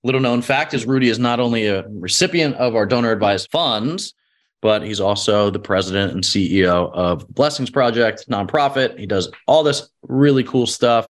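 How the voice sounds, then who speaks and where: A man's voice: mid-range voice, moderate pace. A man hosting a podcast, introducing his guest in an upbeat, enthusiastic way. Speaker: podcast host.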